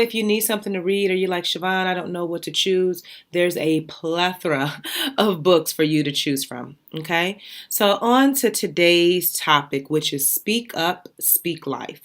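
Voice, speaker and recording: Candid woman podcast host, chatty and open. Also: deep voice. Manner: conversational and candid, frequent "right?" and "y'all"; goofy, light-hearted asides. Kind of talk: personal storytelling monologue.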